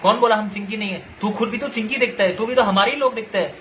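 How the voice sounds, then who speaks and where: On a low-quality recording with slight background noise, a young man from Nagaland, India talks fast in a high, fairly bright voice. As a social media commentator, he rants angrily at someone directly on camera, lecturing confrontationally and going over the same points again and again.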